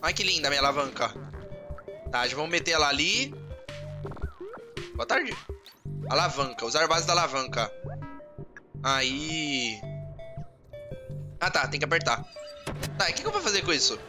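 A man with a Brazilian Portuguese accent giving excitable let's play commentary, swearing often and talking to himself and his viewers. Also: a little high, normal speed, long pauses. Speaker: gamer. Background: loud game music.

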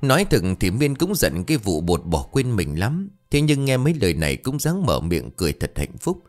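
A man narrating a ghost story in a dramatic, expressive way. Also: lowish voice, moderate pace, faint music behind. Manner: expressive, swinging delivery.

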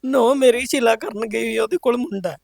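A woman's voice: a little high, a little fast, creaky, darkish tone, no echo, clean studio sound. An older woman, tearful and pleading as she answers a reporter. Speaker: interviewee, mother.

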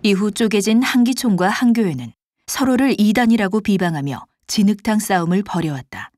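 A woman reading scripted documentary narration in a formal, measured manner. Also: medium pitch, animated, darkish tone, no room sound, studio quality, natural voice.

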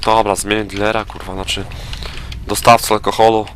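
A man's voice: on the low side, level tone, a little fast, a bit bright, slight background noise. Drunk swearing man gaming. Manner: drunken, rambling, swearing, hums to himself. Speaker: gamer playing drunk. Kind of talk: profane let's play commentary.

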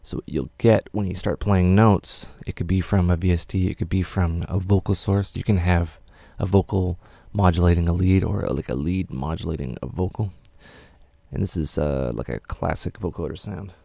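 Male music production tutor, offhand and unpolished, very low register with plenty of vocal fry. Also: fairly even intonation, moderate pace, dark tone, no room sound. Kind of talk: casual software tutorial narration.

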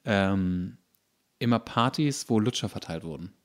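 A man's voice: lowish voice, expressive, a little slow. A man co-hosting a podcast in casual comedic chat, with a dry, wry way of joking. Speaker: podcast co-host.

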